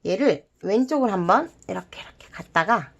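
Hosting an origami tutorial for children, this woman speaks briskly with lively intonation and a husky, creaky, medium-pitched voice. She repeats each step in simple terms and throws in fun little sound words. The audio is lo-fi.

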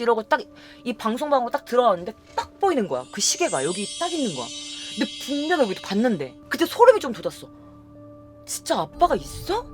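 A young woman streamer telling personal stories in casual, emotional chat from her home streaming room, acting out the lines she quotes from herself. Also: fairly high pitch.

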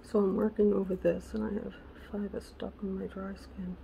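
A woman hosting a casual crafting tutorial, chatty and correcting herself, her voice raspy because she is losing it. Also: mid-range voice, level tone, moderate pace, dark tone, slight background noise, low-quality recording. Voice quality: gravelly. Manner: chatty, self-correcting, muttering asides to herself. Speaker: craft channel host.

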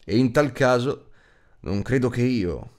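Man acting a stern old wizard, lively swooping delivery. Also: mid-range voice, unhurried, close to an everyday voice. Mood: grave warning. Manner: emphatic, admonishing. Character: stern old male wizard, commanding and teasing. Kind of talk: audiobook character acting.

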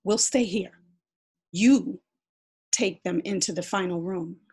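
A woman voicing a blustering soldier who barks orders loudly. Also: on the low side, takes it slowly, slightly rough, full character voice. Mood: panicky. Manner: barking, loud. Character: blustering soldier man, barking orders, easily scared.

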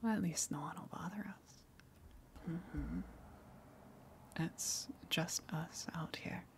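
A woman voicing a luring tentacled sea monster in an ASMR roleplay, coaxing softly in a breathy, hushed whisper with long pauses. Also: sits low. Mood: reassuring.

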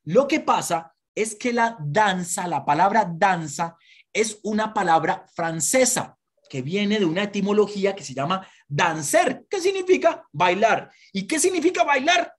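Woman presenter for children, husky voice, lively and full of questions. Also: medium pitch, a little slow. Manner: animated, asks children questions and has them repeat words.

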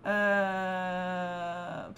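Speaking extremely slowly in a voice on the low side, a young woman with a French accent plays a story game on stream as faint music plays behind. She reads the dialogue aloud and chats and jokes expressively, veering from loud outbursts to mutters.

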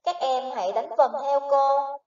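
Teacher lady w a high voice, spells out sounds real slow for little kids, echoey and kinda far off. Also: fairly even intonation, darkish tone. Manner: spells out sounds syllable by syllable, patient and deliberate. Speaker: primary school teacher. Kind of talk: slow phonics lesson for young children. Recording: echoey, distant, dull recording.

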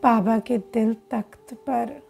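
A woman guides a meditation very slowly, leaving long pauses between short phrases. Her voice is soft-edged and mellow, slightly high, with a creaky grain. The delivery is hushed and deliberate. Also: fairly even intonation.

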